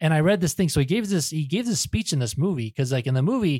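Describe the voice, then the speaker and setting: A man with an American accent speaks very fast at a fairly high pitch, somewhat breathy and with lively intonation. The recording is very clean, dry and close, with no echo and a silent background. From California, Bay Area. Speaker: stand-up comedian. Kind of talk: casual chat.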